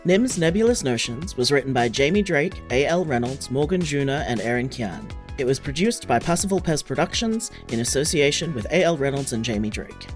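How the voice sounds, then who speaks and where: A woman's voice: a bass voice, animated, brisk, hardly any pauses. A woman reading scripted end credits for an audio drama. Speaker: credits reader. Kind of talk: scripted credits read over music. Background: music.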